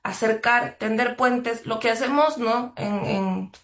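Ecuadorian journalist woman, roomy sound. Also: fairly high pitch. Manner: thoughtful, measured, with frequent fillers and restarts. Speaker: journalist guest. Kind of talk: reflective interview answers. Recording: roomy echo.

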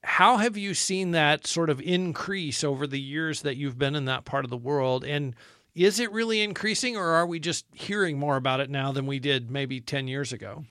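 A man's voice: on the high side, normal speed, bright, forceful tone, no room sound, clean studio sound. A man hosting a faith interview, speaking in a conversational, encouraging way with frequent fillers and repeats. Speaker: radio show host.

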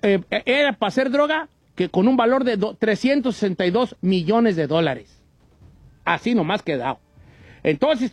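A man's voice: extremely high pitch, no echo. A man doing a folksy old Mexican ranchero. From Michoacán, Mexico. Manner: rambling, joking, slangy, stumbles over words. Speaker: co-host presenting comic news. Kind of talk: comic radio news segment.

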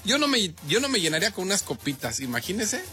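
A man's voice: sits high, very animated, quick pace, bright, forceful tone, soft background music. A man, co-hosting a comedy talk show, reading listener comments in a casual, playful way. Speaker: co-host.

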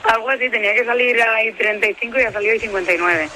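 A woman contributing to a radio show by phone from a train at a station, speaking in a quick, wry way. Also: on the high side, sharp tone, slight background noise, rough recording.

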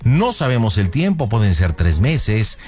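A man's voice: on the low side, very animated, unhurried, a little mellow. A man hosting a radio prank show, teasing and playful. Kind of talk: casual radio chat.

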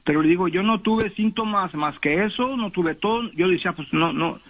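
A man calls in to a radio show to tell his own story, stumbling through it with fillers and restarts. His voice is husky and a little high for a man. He comes through a thin, tinny phone line. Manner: halting, many fillers and restarts. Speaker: caller. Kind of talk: telling a personal story on a call-in show.

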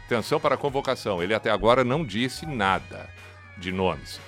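A Brazilian man with a low voice hosts a live radio broadcast, calling out what he sees and urging things along with rising excitement. Faint music plays in the background. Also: fairly quick. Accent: Brazilian Portuguese. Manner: excitable, urging, running play-by-play. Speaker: radio host. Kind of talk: live commentary chat.

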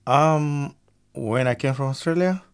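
A man's voice: mid-range voice, a little slow, clean tone. A man from Nigeria, guest musician on a casual radio interview, upbeat and repeating his phrases.

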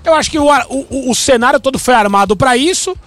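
High-voiced man, chatty sports host. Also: quick pace, soft background music. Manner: chatty, many fillers and restarts, animated. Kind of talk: sports talk show discussion.

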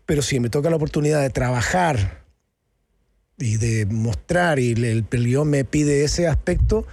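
A man's voice: on the high side, dark tone, dry recording. A man with a Chilean accent, an actor talking candidly in an interview, casual and slangy with lots of fillers and tag questions.

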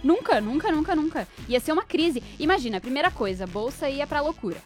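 Animated high-voiced woman host. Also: fairly quick, faint music behind. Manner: animated, jokey, emphatic. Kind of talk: casual chat.

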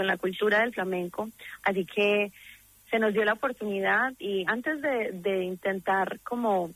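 A woman's voice: medium pitch, fairly bright tone, dry recording, low-quality recording. A young woman from Medellín with a paisa Colombian accent, a singer talking earnestly and effusively in a promotional interview. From Medellín, Colombia; grew up in the United States. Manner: earnest and effusive, frequent restarts. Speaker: singer guest.

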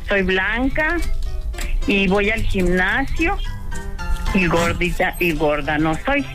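Older mexican grandma chatting on the phone, laughs a lot, really animated pitch, faint music behind. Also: female voice, slow. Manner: chatty, laughs easily, affectionate. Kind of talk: casual phone chat.

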